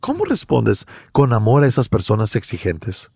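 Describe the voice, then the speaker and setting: A man's voice: fairly low pitch, wildly swooping pitch, moderate pace, gravelly, mellow, husky, no room sound, clean studio sound. A man preaching a sermon as pastor, emphatic and full of rhetorical questions.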